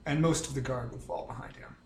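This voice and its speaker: A man's voice: mid-range voice, expressive, fast, roomy sound, slight background noise. A man running a tabletop game as game master, explaining in a hesitant way with fillers.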